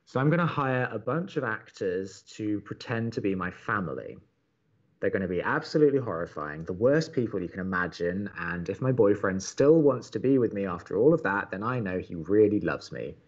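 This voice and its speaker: A young college radio co-host in an audio drama, wry, blunt and impatient. His voice sits fairly low and he speaks with sardonic emphasis. The sound is slightly dull. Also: animated, brisk. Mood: wry, upbeat. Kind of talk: naturalistic audio drama dialogue.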